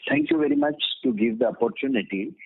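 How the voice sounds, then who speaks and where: A man's voice: very high voice, huge pitch swings, fast talker, gravelly, slight background noise. An Indian-accented man, an investor caller questioning management on an earnings call in an emphatic, pointed way. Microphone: phone line. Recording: tinny, narrow phone line.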